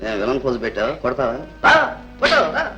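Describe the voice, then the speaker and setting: A sneering, bullying husband. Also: male voice, high-pitched, very animated, racing, sharp tone, soft background music, heavily acted, poor audio. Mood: taunting. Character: bullying, jealous husband who taunts his wife. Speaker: film villain. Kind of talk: 1960s film melodrama acting.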